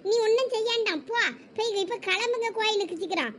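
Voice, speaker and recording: A woman's voice: very high voice, fast talker, over a noisy crowd. A woman voicing a nagging, bossy village mother in a cartoon, speaking Thoothukudi Tamil slang. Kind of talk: cartoon voice acting.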